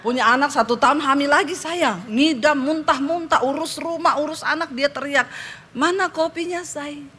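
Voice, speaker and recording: A high-pitched, middle-aged woman pastor preaches a humorous testimony from a church stage. She tells her story in a lively, joking way, acting out the quotes. Faint ambient noise sits behind her voice. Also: moderate pace, few pauses.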